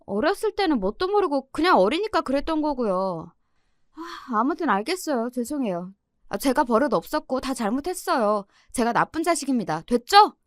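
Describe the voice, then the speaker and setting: A woman's voice: sits high, big pitch swings, normal speed, no room sound, studio quality, pitched above the performer's own voice. A woman voicing an irritable teenage girl student who whines and snaps back. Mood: sulky sarcastic. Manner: whiny, snapping, exasperated.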